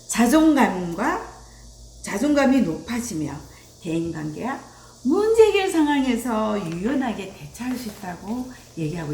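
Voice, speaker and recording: A parenting educator lectures on child rearing in a woman's fairly high-pitched voice, speaking animatedly and acting out snippets of quoted dialogue. The recording has a roomy echo and a slight hiss or hum.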